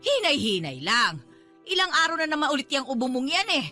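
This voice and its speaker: A caring, exasperated Filipino mother in a radio drama. She nags in a high, sharp voice with very lively pitch movement, over faint music. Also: a little fast, full character voice. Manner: nagging, exasperated.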